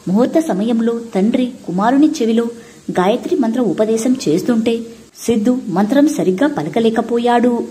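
Mellow-voiced woman narrating a story. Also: fairly high pitch. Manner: steady, measured storytelling.

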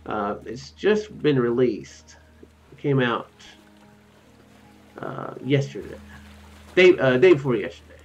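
A man's voice: mid-range voice, sing-song, takes it slowly, long pauses. A drowsy young adult man giving casual game commentary as a video host, musing in a hesitant, rambling way. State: tired, drowsy. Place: small room at home. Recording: dull lo-fi mic with music. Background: game music.

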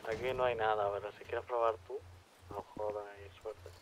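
A man's voice: fairly low pitch, level tone, moderate pace. A man chatting casually with other players during an online role-play game. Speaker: gamer role-playing in an online survival game. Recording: dull lo-fi voice chat, faint noise.

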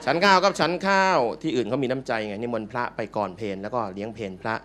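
A man's voice: mid-range voice, big pitch swings, fast, fairly bright tone. A man speaks as a Buddhist monk, delivering a light-hearted dharma talk to a hall full of listeners. He jokes and teases the crowd as he makes his points. A faint noise sits under the recording. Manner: joking, playful, teasing the audience. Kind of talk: humorous dharma talk to an audience. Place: large meeting hall with live audience.

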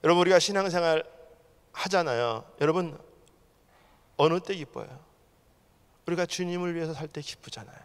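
A man pastor preaching a fervent sermon in a church sanctuary. He keeps addressing the congregation directly and swings between loud outbursts and hushed asides. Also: a little high, normal speed, long pauses, smooth. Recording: long reverb of a large church hall.

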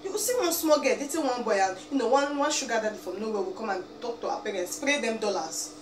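Young igbo-accented nigerian woman ranting to camera, higher voice, echoey room, mic kinda far. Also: fast talker. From Nigeria, Abia State. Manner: emphatic, pleading, peppered with "eh?" and "biko". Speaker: vlogger. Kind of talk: animated rant to camera. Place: small indoor room, seated in chair. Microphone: camera a few feet away. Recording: roomy, distant, noisy home recording.

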